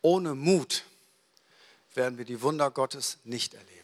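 A man preaching a sermon in a lively storytelling way, acting out little dialogues as he goes. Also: medium pitch, measured pace. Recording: reverberant hall.

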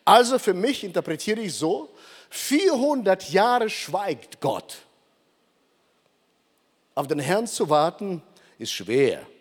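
An older man preaching a sermon, emphatic and slowing down for dramatic pauses. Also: high-pitched, sing-song, in a large hall.

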